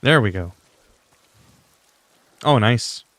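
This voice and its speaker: A man's voice: on the low side, expressive, extremely slow, fairly bright tone, no echo. A man whose first language is French, chatting casually with viewers on a gaming livestream, opinionated and talkative. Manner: chatty, opinionated, talks to chat. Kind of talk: casual livestream chat while playing.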